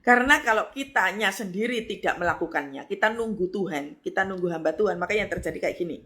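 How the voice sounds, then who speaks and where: A middle-aged woman pastor, preaching a lively sermon and acting out voices with sudden high exclamations. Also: quick pace.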